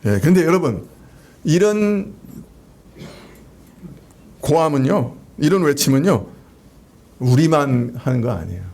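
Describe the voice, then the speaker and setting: A man's voice: on the high side, very animated, slow, long pauses, a little mellow. A man preaching a sermon as pastor, talking to the congregation in a conversational way and asking them rhetorical questions. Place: church sanctuary.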